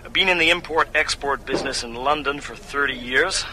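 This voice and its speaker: A man's voice: medium pitch, fairly quick, background noise, close to an everyday voice. An actor playing a matter-of-fact male informant, giving a clipped report in a radio drama. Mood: businesslike. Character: brisk male informant reporting a background check.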